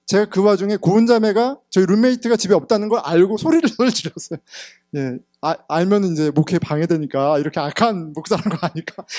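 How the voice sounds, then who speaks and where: A man in his thirties preaching a sermon as pastor, telling a personal story candidly, getting loud at times and hushed at others. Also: high voice, no echo, clean studio sound. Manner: candid storytelling, sometimes laughing, swings between loud and hushed. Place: church sanctuary.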